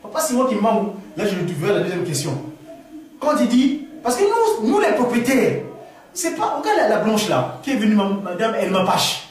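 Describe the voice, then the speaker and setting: Far from the microphone in an echoey room, a Congolese man from the Republic of the Congo talks spontaneously while answering questions at a gathering. His high voice moves at normal speed, and he's animated, restarting and repeating words before climbing to exclamations.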